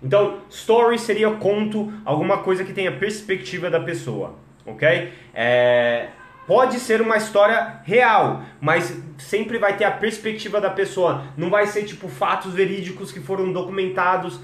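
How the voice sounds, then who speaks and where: Professor brasileiro enérgico, sala com eco. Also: male voice, sits high, reverberant. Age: young adult. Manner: energetic, code-switching, drawn-out demo words. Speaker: English teacher. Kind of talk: live-streamed English lesson.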